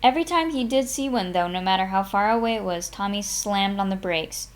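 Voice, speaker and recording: This woman is a live streamer reading a memoir aloud, keeping it informal and adding her own small asides. Her voice is mid-range and she speaks fairly quickly.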